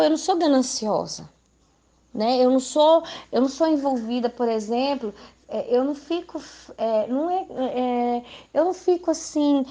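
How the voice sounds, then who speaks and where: Brazilian woman teaching church ladies, casual and chatty, keeps asking questions, kinda high voice. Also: darkish tone. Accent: Brazilian Portuguese. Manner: conversational, asks rhetorical questions, frequent tag questions. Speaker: women's ministry speaker. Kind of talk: informal Christian teaching.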